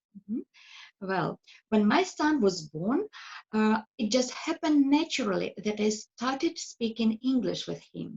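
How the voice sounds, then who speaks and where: The somewhat breathy voice moves at a fairly slow pace through very wide pitch swings. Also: woman, fairly high pitch for a woman. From Ukraine. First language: Ukrainian and Russian. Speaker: language school owner. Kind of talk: interview.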